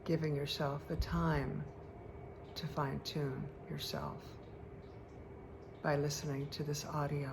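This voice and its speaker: Slow, low-creaking woman guiding meditation. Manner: slow, deliberate, soothing, with long pauses. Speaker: guided meditation leader. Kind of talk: guided meditation, hypnotic relaxation. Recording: clear steady background noise.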